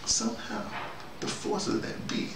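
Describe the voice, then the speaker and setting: An older man with a gravelly voice giving a rambling, conversational spoken commentary, circling back and repeating words as he goes. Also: a little slow. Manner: digressive, repeats words, conversational, animated asides. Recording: roomy, distant mic, noticeable background noise.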